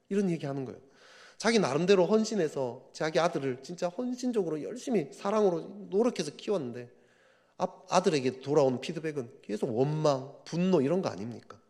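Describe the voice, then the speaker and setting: A man preaches at a midweek service in a conversational, storytelling way, often asking the congregation to agree. His voice sits a little high and moves up and down a lot. The sound rings with the long reverb of a church sanctuary. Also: a little mellow. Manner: conversational storytelling, frequent rhetorical asides. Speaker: pastor. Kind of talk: sermon at a midweek prayer service.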